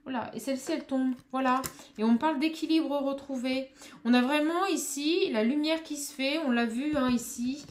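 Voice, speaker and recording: A woman doing a card reading for her viewers, talking straight to them and calling out to her spirit guides, with a small high voice. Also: normal speed, a little hiss or hum. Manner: addresses viewers directly, exclamatory, calls on spirit guides. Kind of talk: tarot reading to camera.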